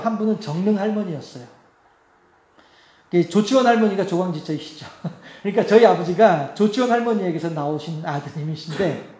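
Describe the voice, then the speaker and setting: A pastor preaches a sermon in a chatty way, laughing often and putting rhetorical questions to the congregation. His voice is high with a darkish tone. He is in a church sanctuary, and the hall sounds echoey.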